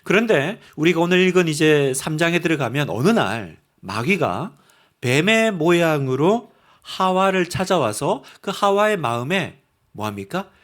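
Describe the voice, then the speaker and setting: A male pastor preaching a sermon, animated and asking the congregation rhetorical questions. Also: fairly high pitch, a little slow.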